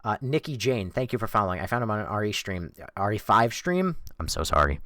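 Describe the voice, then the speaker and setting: A young man streaming a game live, reading chat sarcastically and shrieking when the game scares him, his voice going hoarse. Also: lowish voice, sing-song, fairly quick, pushed and bright, no echo, studio quality. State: losing his voice.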